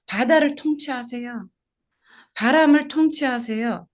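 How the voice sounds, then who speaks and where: Speaking in a high voice at a measured pace, this woman pastor gives an expository sermon to a small church gathering. She questions the congregation and keeps returning to key words.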